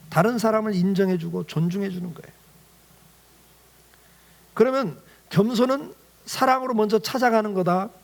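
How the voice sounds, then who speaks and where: A man with a notably high-pitched voice delivers a Sunday sermon in a church. He preaches to the congregation directly, firing off rhetorical questions and answering them himself. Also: vocal fry. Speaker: pastor. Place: church sanctuary.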